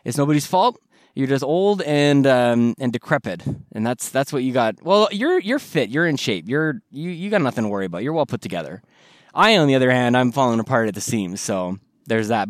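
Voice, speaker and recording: A man's voice: mid-range voice, moderate pace, dry recording, clean studio sound. A man in his thirties with a cold and a stuffy voice, hosting a podcast in a casual, joking way from his car over a laptop call. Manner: animated, self-deprecating, joking. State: congested with a cold. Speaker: podcast host. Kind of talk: casual chat. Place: in a car while driving. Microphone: laptop on a video call.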